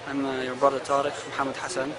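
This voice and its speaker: Monotone young man. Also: mid-range voice. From Netherlands. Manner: halting, searches for English words. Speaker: third-year hadith student. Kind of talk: recorded testimonial. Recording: loud outdoor traffic noise.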